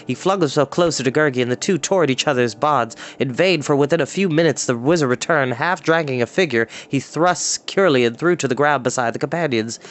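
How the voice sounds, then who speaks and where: A man reading a story aloud as a storyteller, in a dramatic audiobook narration style. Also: medium pitch.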